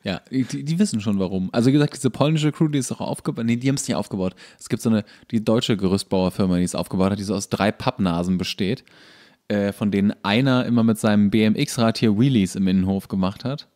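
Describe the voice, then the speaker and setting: A man's voice: on the low side, mellow. A teasing man co-hosting a podcast. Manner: teasing, quick with jokes. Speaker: podcast co-host. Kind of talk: casual chat.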